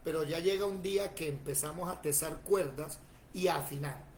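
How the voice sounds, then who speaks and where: A man teaching a Bible class, plain-spoken and animated, turning to his students with questions. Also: a little high, normal speed, slight background noise, rough recording.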